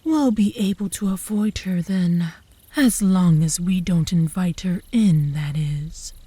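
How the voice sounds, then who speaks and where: Breathy, slow-talking flirty werewolf woman, acted by a woman. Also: on the low side, mellow, no echo. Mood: smug, defensive. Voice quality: breathy, often dropping to a whisper. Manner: slow, teasing, seductive drawl. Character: flirtatious, obsessive werewolf woman, cocky rival. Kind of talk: ASMR roleplay, slow breathy teasing. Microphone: close ASMR microphone.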